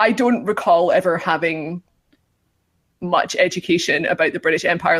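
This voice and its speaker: A woman speaks fairly quickly with a Scottish accent. The recording is very clean, with a silent background. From Scotland. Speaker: journalist. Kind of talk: casual chat.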